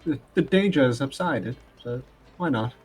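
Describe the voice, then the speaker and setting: A man role-playing a theatrical bard in a tabletop game, with a husky, breathy voice at an average male pitch. He speaks grandly, as if performing in verse. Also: animated, moderate pace, a little mellow, faint music behind. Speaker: player. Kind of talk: in-character tabletop role-play.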